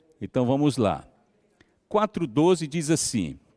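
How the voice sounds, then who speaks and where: The recording has a dry, close sound with no echo, capturing a man with a fairly high pitch and lively intonation. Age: 50s. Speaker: pastor. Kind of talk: sermon. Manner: halting.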